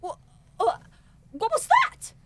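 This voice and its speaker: A woman's voice: very high voice, huge pitch swings, slow, sharp tone, dry recording, full character voice. A woman playing a comically evil, child-eating witch in a radio play, theatrical and easily flustered. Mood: stunned, awkward. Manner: theatrical cackling, flustered asides. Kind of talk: comedic audio drama acting.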